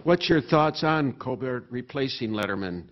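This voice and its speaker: A man's voice: mid-range voice, expressive, normal speed. Man reading questions, dull slightly noisy sound. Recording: dull sound with faint noise.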